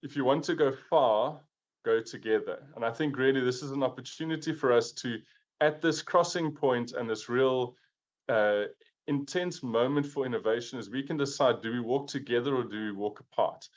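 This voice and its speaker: A man's voice: mid-range voice, moderate pace. South African man on a lo-fi call. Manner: earnest, repeats words when restarting. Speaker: pharmaceutical executive. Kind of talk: conference panel presentation. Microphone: remote video call.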